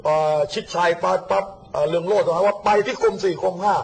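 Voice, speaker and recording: A man's voice: high voice, gravelly, slightly rough. A man talking politics in a casual, blunt, mocking way, acting out what others said. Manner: rapid, blunt, mocking, acts out quotes. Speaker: guest speaker on politics and the army.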